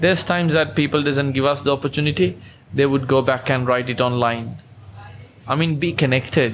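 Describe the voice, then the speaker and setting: Noticeable background noise sits behind a fairly quick delivery. Loudness stays very even, with ordinary pitch variation. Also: man, medium pitch for a man. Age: 30s. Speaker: chef and restaurant owner. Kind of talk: interview. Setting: restaurant with background noise.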